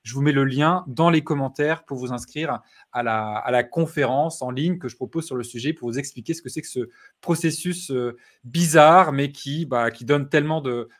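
A man in his thirties hosting an interview over a video call, with friendly fillers and hesitant restarts. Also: medium pitch. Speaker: host. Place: home room with bookshelves.

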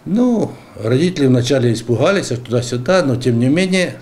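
A man in his seventies telling a story in halting, deliberate phrases at home. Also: mid-range voice, expressive, darkish tone. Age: 70s. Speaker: retired navy warrant officer, interviewee. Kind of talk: storytelling interview. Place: home living room.

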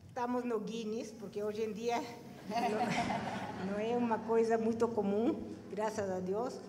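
A woman in her sixties with a Chilean Spanish accent and a somewhat high voice gives a personal account in short, deliberate phrases. She speaks into a handheld microphone on stage, with long hall reverb and some faint room noise behind her. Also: steady tone. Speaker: guest speaker on a forum panel. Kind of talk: personal account in an onstage interview. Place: stage in a conference hall with seated audience.

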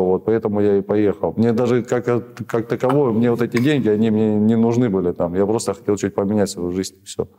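Hesitant low-voiced man, rambling. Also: dark tone. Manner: hesitant, rambling, many restarts and fillers. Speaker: prisoner of war being interviewed. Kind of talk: halting conversational answers. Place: small office indoors.

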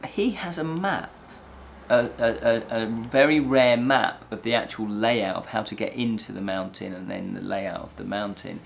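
A man in his forties hosting a review show, talking to camera in an animated, emphatic, conversational way. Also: on the low side, normal speed, gravelly, a little hiss or hum. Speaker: host of a fantasy review show. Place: small indoor room with fabric backdrop.

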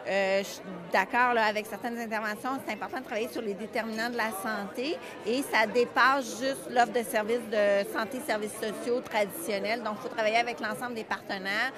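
A woman's voice: a little high, fairly even intonation, fairly quick, few pauses. A woman in her sixties with a Quebec French accent, answering a vox pop at a conference, hesitant and thinking aloud. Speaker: conference participant. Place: busy hotel conference hall. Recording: crowd chatter behind.

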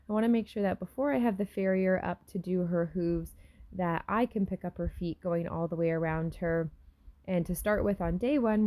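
Young woman horse trainer, mellow lower voice, relaxed casual voice-over. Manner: relaxed, explanatory, many fillers and restarts. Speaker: horse trainer and channel host. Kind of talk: casual voice-over narration of farm footage.

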